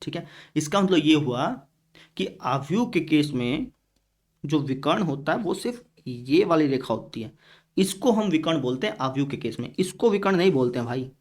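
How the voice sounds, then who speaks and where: A man's voice: on the high side, animated, moderate pace. A man teaching a math lesson in a conversational classroom style, with a Hindi-speaking north Indian accent, often asking his students if they are following and answering in their voice. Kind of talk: classroom lecture.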